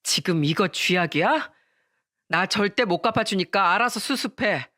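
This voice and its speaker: A woman's voice: mid-range voice, animated, normal speed, sharp tone. A woman voicing an angry husband who scolds his wife coldly, in a story reading. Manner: harsh, scolding.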